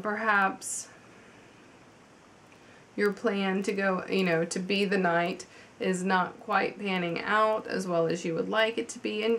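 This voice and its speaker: A woman with a slight cold reading tarot at home in a chatty, halting way, with many ums and restarts. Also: mid-range voice, slight background noise. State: has a cold, slightly congested. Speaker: tarot reader. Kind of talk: casual video tarot reading.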